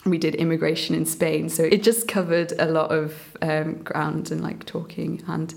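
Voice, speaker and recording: Chatty young woman, low flat voice. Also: normal speed, vocal fry. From Burma. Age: young adult. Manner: chatty, eager, filler-heavy. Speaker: medical student guest. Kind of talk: casual interview chat.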